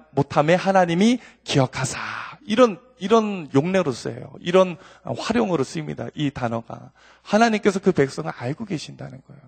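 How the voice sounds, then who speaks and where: A middle-aged man preaching from the pulpit with a gravelly, rough-edged voice that sits fairly high. His delivery swells into emphatic peaks and asks the congregation to repeat after him. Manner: preaching with rising emphasis and call-and-response. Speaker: pastor. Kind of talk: sermon.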